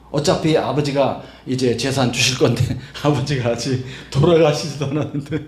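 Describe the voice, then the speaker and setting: Male pastor, high voice, emphatic sermon delivery, echoey church room. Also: darkish tone. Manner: emphatic, acts out quoted voices, fills with 막 and 응. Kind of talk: Sunday sermon. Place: church sanctuary.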